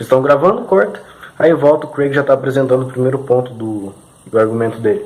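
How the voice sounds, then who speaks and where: The speaker is a man of medium pitch. He keeps a fairly quick pace with ordinary pitch variation. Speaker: YouTube channel host. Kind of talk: casual video intro. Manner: fast.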